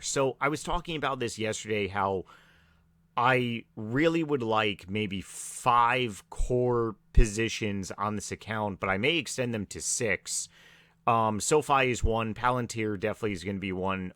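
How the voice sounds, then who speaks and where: A man who is raspy from allergies, giving a low-key, filler-heavy stock market vlog. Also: fairly bright tone, dry recording. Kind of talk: casual market commentary.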